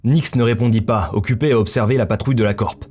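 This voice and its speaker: A man's voice: on the low side, fast, a little mellow, slightly rough. Male story narrator over music. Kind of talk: scripted literary narration. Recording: music bed under the voice.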